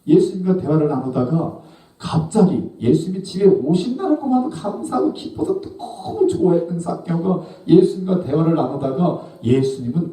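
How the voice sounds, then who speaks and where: A male pastor preaching a sermon, swinging between loud questions and hushed, low asides. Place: church sanctuary. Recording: echoey church hall from a distance.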